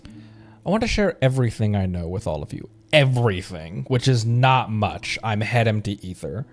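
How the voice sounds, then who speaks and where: A male streamer with a lowish voice and big pitch swings talks at a normal speed while game music plays. He keeps things casual and playful, reading in-game dialogue aloud with goofy sound effects and the occasional stumble.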